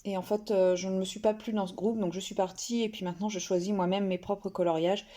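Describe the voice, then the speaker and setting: A woman's voice: mid-range voice, fairly even intonation, a little fast, dark tone. A woman vlogger casually showing her finished coloring pages, hesitant, with many fillers and restarts. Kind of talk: casual show-and-tell.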